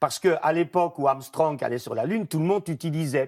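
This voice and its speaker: Against a silent background in a very clean recording, an animated man with a slight Belgian accent talks at a moderate pace and a fairly high pitch. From Belgium. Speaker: historian and grammarian, author. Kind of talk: TV interview. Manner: animated, colloquial.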